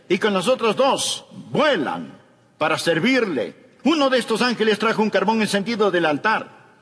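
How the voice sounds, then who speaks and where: A man delivering a sermon, preaching emphatically and swinging between raised and hushed delivery. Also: high-pitched, breathy edge, in a large hall.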